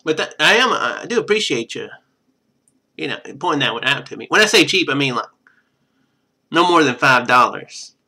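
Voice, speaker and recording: Bright-voiced man, lively game streamer. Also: a little high, normal speed, long pauses. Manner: rambling, chatty asides between read passages. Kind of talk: reading visual novel aloud with casual live commentary.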